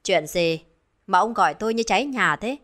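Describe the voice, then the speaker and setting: A woman voicing a cruel, scheming middle-aged village wife who taunts in a shrill, sneering voice. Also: expressive, normal speed, fairly bright tone, lightly acted. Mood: defiant. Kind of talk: dramatized horror storytelling.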